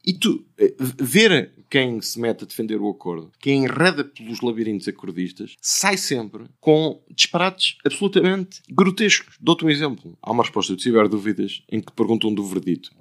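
A man's voice: mid-range voice, big pitch swings, normal speed, few pauses, fairly bright tone. Erudite Portuguese man, wordy. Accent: European Portuguese. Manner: erudite, wordy, restarts often. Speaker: writer and language reviser, guest. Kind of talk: casual podcast conversation.

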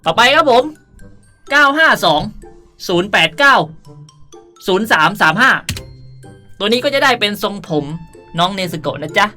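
A woman presents a game tutorial in a casual, chatty way. Her voice is bright and her pitch moves in lively swings. She comes across as playful and polite, with music playing behind her. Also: moderate pace, long pauses. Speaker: gaming video host.

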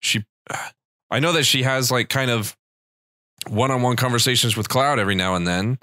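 A man's voice: medium pitch, normal speed, sharp tone, no room sound, clean studio sound. A man with a congested, nasal voice giving loose, rambling let's-play commentary and swearing freely. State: congested from allergies, tired throat. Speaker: gaming channel host. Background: game music.

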